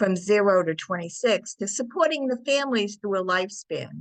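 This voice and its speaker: The sound is dry and close with no echo. A woman speaks at a moderate pace with ordinary pitch variation. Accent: New England. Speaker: family support program director. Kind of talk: webinar presentation.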